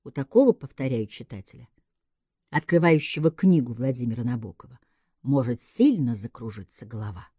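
A woman reading a scripted literary essay aloud in a measured, emphatic way, with deliberate pauses between phrases. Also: very deep voice, animated, dark tone, slightly rough, no room sound. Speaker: writer giving a literary essay.

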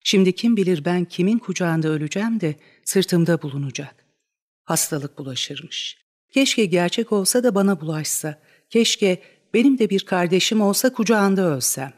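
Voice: medium pitch, animated, normal speed, lightly acted. A reader voicing a desperate, lovesick young woman in a dramatic reading of a stage play, pleading and crying out in rising outbursts. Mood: mournful.

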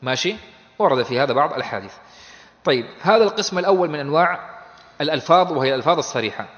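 Higher-voiced sheikh teaching in a reverberant hall. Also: male voice, animated, racing, a bit bright. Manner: asks questions and answers them himself; explains in plain conversational terms. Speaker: sheikh teaching a law text. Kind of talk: classroom lecture on Islamic law. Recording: dull audio with long hall reverb.

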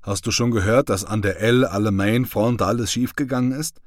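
A man's voice: on the low side, brisk, no echo, studio quality, natural voice. A man reading the part of a friendly, talkative young male soldier. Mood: chatty. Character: chatty young male soldier, lance corporal.

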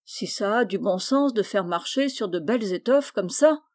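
A woman's voice: medium pitch, lively intonation, moderate pace, a little mellow, lightly acted. A woman reading the part of a hearty, generous older male farmer in a storybook, jovial and exclaiming.

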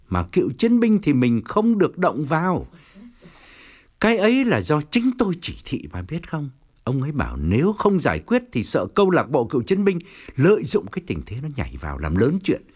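A man voicing a domineering middle-aged provincial chairman who scolds and gives orders in an audiobook. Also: darkish tone. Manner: furious scolding, then lowered calculating tone. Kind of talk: audiobook character reading.

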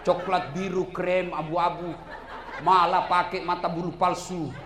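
A man preaching a humorous sermon to a crowd, acting out the voices in his stories and shouting his punchlines. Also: high-pitched, level tone, unhurried. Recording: echoey hall with faint noise.

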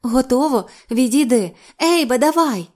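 A woman's voice: high-pitched, animated, normal speed, voice pushed up. A woman voicing a capricious young actress who whines, bosses people around and shrieks. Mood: bossy. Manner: whiny, bossy, shrieking.

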